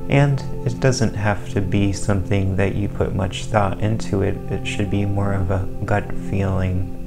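A man speaking at a very slow pace, with clear music in the background. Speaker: meditation guide. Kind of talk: guided meditation talk.

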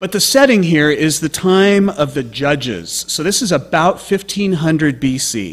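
Male speech with lively intonation, a fairly slow pace and hardly any pauses. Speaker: pastor. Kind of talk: sermon. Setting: church. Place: church. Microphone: podium.

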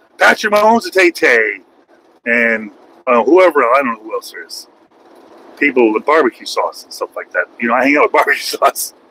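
At a fairly quick pace, a man with an American accent swings widely in loudness, his dry, echo-free voice set against light background noise. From US West (California). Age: 40s. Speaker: truck driver; driver vlogger. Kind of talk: casual vlog chat. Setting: in a truck cab. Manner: jokey, laughs often. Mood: joking, relaxed. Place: car. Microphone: phone near.

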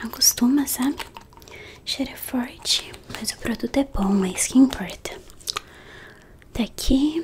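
A soft-spoken woman talks at a very slow pace. Light background noise sits behind her. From Brazil. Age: young. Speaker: ASMR artist. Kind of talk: ASMR roleplay as piercer. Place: home room. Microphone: studio mic.

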